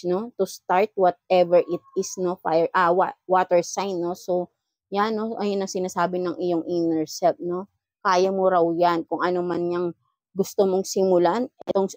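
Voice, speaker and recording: A woman's voice: fairly low pitch, darkish tone, no room sound. A woman giving a casual tarot reading, chatty and advising, often ending phrases with little questioning tags. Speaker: tarot reader.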